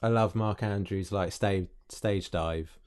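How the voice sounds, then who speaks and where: A man co-hosting a casual podcast, telling stories excitedly with many "like"s. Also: on the low side, takes it slowly, smooth. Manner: excitable storyteller, lots of "like". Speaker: podcast co-host. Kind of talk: casual chat.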